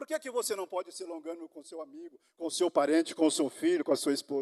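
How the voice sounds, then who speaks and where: A man's high-pitched voice at a fairly quick pace, lively in intonation, with a dry, close sound and no echo. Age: 60s. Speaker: lay preacher. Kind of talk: sermon. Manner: halting.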